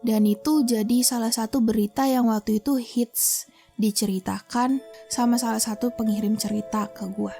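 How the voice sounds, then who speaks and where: High-voiced chatty woman storyteller. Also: steady tone, normal speed, vocal fry. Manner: chatty, slangy, addresses viewers as guys. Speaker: horror storyteller host. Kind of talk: casual horror storytelling to viewers. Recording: soft background music.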